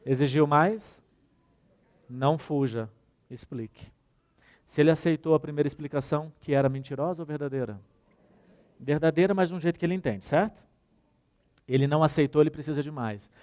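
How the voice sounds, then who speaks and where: Man, Brazilian Portuguese accent, higher voice, workshop speaker, lively storytelling, acts out dialogue. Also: fairly quick, long pauses. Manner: addresses audience directly. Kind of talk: workshop talk.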